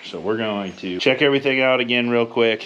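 A man talks at a fairly quick pace in a plain, everyday voice. His pitch varies in an ordinary way, and there is light background noise. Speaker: farmer vlogger. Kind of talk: casual vlog chat. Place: garage. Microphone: phone near.

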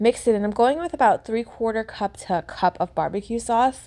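This woman has a dark, mellow tone. She talks at a moderate pace with ordinary pitch variation. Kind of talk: tutorial. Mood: warm, enthusiastic. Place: kitchen. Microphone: phone near.

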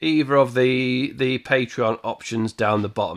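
A man's medium-pitched voice with a Yorkshire accent, lively intonation and a fairly slow pace on a very clean recording with a silent background. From Yorkshire, northern England. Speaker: online business tutorial creator. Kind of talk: screen-share tutorial. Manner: casual, hesitant with fillers.

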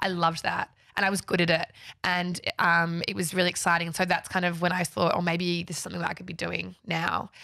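A woman with an Australian accent speaks at a very fast pace in a bright, sharp tone with vocal fry. Her intonation is monotone and flat, and the background is quiet. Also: fairly low pitch for a woman. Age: 30s. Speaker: social media influencer. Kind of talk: casual chat. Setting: studio. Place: studio. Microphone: studio mic.

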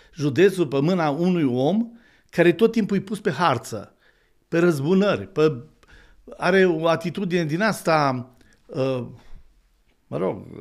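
A man's lively intonation at a fairly slow pace, with long, frequent pauses and a quiet background. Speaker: candidate. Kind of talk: interview answer. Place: studio. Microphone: studio mic.

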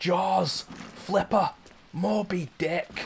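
A man puts on a character voice, pitched high, with a Scottish accent.

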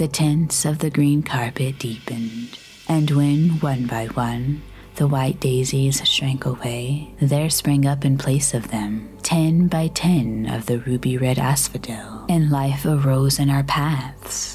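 Music plays in the background as a woman speaks in a very deep, low voice. Her pace is very slow, and her intonation is fairly even. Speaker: ASMR story narrator. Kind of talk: spooky story narration, ASMR reading.

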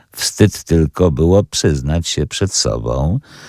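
A man with a very deep, low voice talks at a very slow pace with vocal fry. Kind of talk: dramatic audiobook narration of a eerie rural tale.

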